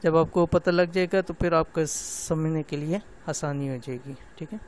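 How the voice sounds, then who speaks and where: A man's voice: fairly high pitch, steady tone, darkish tone, slight background noise. A middle-aged man teaching Quran recitation to women, patiently explaining and drawing out letter sounds. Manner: slow drawn-out demonstration of letter sounds; patient, repeats "theek hai" often. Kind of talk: tajweed lesson for women.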